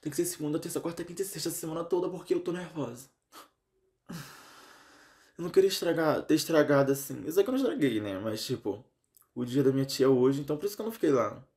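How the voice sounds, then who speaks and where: A man's voice: expressive, fast, darkish tone. Exasperated Brazilian man venting dramatically. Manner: dramatic, exasperated venting with big pitch swings. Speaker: vlogger. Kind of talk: casual chat to camera.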